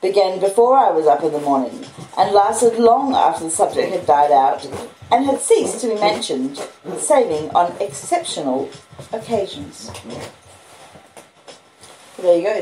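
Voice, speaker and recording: With lively intonation, a measured pace and a warm medium-pitched voice, the Australian streamer reads a classic novel aloud and talks casually to her listeners. Echo fills the room, and hiss or background noise is clearly audible.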